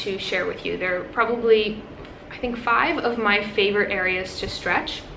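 There is light background noise and audible room echo as a woman talks at a fairly slow pace. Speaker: fitness vlogger. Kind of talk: casual vlog chat. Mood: calm, friendly. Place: home room. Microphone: camera far.

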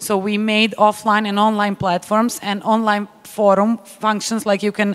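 With a Serbian accent, a woman speaks at a moderate pace. Her intonation is monotone and flat. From Serbia, Belgrade. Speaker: architect and activist; guest. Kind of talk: panel discussion. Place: hall. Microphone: handheld.

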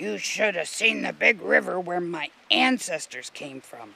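A man's put-on character voice, high-pitched and bright and sharp in tone, with vocal fry, lively intonation and a fairly slow pace.

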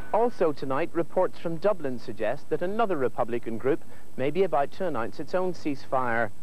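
With light background noise and a dry sound with no echo, a man talks at a fairly quick pace. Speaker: news correspondent. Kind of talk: news report voiceover. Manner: grave and measured. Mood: serious, measured.

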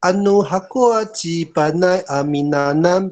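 Lively intonation from a male speaker, set against a quiet background. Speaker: language student; language teacher. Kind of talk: online class participation. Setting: video call. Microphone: video call.

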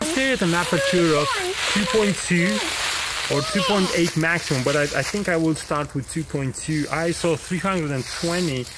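A man talks at a very slow pace with ordinary pitch variation. Loud background noise runs underneath. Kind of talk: tutorial. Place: forest.

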